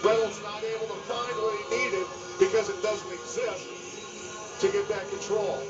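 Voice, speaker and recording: A man's voice: sits high, steady tone, normal speed. A man giving colour commentary on a fight, explaining technique in plain, analytical terms. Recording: dull broadcast sound, loud music behind.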